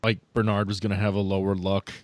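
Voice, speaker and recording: A man with a fairly low voice talks as game master of a tabletop game. He moves between casual rulings and narration of the action. The sound is close and dry, with very little room to it. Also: little pitch movement, quick pace, no echo.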